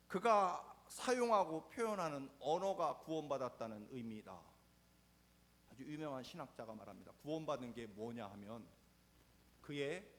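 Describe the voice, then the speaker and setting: A middle-aged man preaching with a Chungcheong Korean accent. His pitch rises and falls widely, and his voice sits somewhat high for a man. He swings between loud, emphatic lines and quiet, dropped endings. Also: a little hiss or hum. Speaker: pastor. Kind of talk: sermon.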